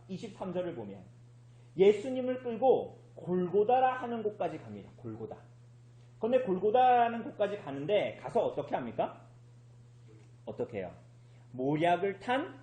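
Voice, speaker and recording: A man's voice: high-pitched, dark tone, roomy sound, rough recording. A man preaching a sermon as pastor in a church, who keeps asking the congregation questions and then answering them himself. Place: church sanctuary.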